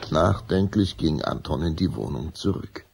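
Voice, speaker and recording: A man narrating a children's vampire audio drama as a deliberate, suspenseful storyteller. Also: extremely low pitch, vocal fry, noisy background.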